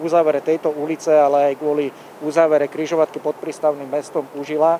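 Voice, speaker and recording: A man's voice in a dry sound with no echo, over light background noise. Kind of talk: press statement. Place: street. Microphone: handheld.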